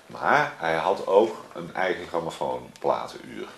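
A man's voice: extremely low pitch, big pitch swings, a little slow, gravelly, fairly bright tone. A man asking conversational questions as an interviewer. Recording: roomy echo with faint noise.

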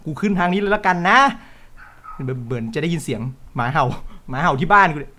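A young man giving excitable, jokey let's play commentary, swearing and shouting at scares. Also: a little high, fast talker. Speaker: game streamer.

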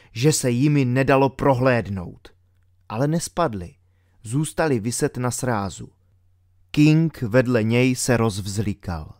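Male audiobook narrator, dramatic, steady, dry close sound, mid pitch. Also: no room sound. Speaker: audiobook reader.

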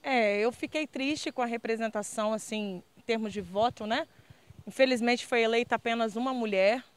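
On the high side and at normal speed, a Brazilian woman's voice answers street interview questions. She is an earnest community leader and council candidate whose persuasive manner includes frequent fillers.

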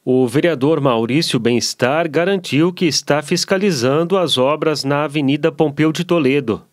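A man co-presenting the news on a municipal radio station, reading in an even, formal way in a small studio. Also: on the high side, moderate pace, no room sound. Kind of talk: read news report. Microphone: studio microphone on arm.

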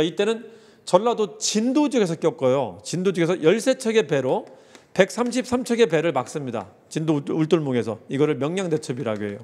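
A man's voice: sits high, darkish tone, in a large hall. A man lecturing on history for exam review, repeating key words and mnemonics as he explains.

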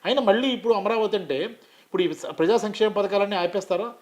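A man's voice: high-pitched, fast. A man interviewing a political guest, respectful, often chiming in with short agreements.

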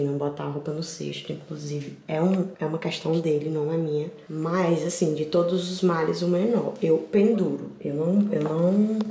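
A woman's voice: low-pitched, dark tone. A young woman with a Brazilian Portuguese accent, vlogging casually at home and talking candidly and directly to her viewers. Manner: chatty, candid, talks straight to viewers. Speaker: lifestyle vlogger. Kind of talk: casual vlog talking to camera. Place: bedroom at home. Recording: echoey room with faint noise.

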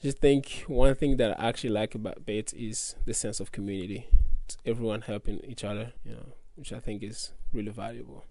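A young man talks through his answers in an earnest, easygoing way, leaning on fillers. His tone is dark and mellow. The recording is dry and close. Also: on the low side, steady tone, fairly quick, vocal fry, few pauses, dry recording. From Congo. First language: French. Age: young adult. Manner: earnest, loose phrasing with many fillers. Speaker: college athlete guest. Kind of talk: casual interview answers.

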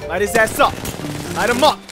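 Young male gamer, hyped and loud, hoarse edge, lively pitch, music bed behind. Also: normal speed. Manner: excitable, yelling, cursing, repeats phrases. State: losing his voice. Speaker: gaming YouTuber. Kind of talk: loud reactive gameplay commentary.

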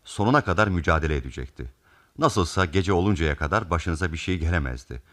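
Radio mystery detective, super low voice, calm, lays out the case step by step. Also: male voice, quick pace. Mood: grave, reasoning. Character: calm, methodical male detective explaining a murder case. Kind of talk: radio theatre mystery acting.

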